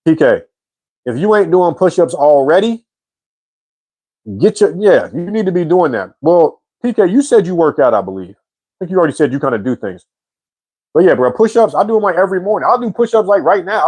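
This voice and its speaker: A man's voice: mid-range voice, no echo. A man in his forties hosting a casual live chat, reading viewer comments and answering in a slangy, easygoing way. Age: 40s. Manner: slangy and relaxed, says bro and man a lot.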